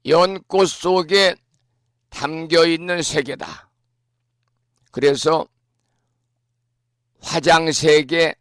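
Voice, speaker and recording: A man, a Buddhist monk, giving a morning talk on scripture in a hoarse voice from a lingering cold, speaking slowly and clearing his throat often. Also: on the high side, fairly bright tone, no echo, clean studio sound. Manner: slow, measured teaching delivery. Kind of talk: dharma talk explaining scripture.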